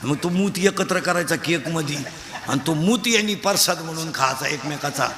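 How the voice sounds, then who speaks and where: A high, bright male voice delivers a comic devotional sermon. He tells stories and slips into acted voices to mock his characters. The sound rings with the long echo of a large hall. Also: moderate pace, slight background noise. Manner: storytelling with acted voices, mocking humor. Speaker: kirtan preacher.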